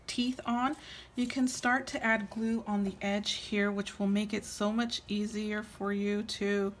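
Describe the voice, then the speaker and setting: Slow-paced, tired woman giving a craft tutorial. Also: mid-range voice, level tone, a little hiss or hum. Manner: informal, unhurried step-by-step explaining with trailing pauses. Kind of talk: casual hands-on craft tutorial.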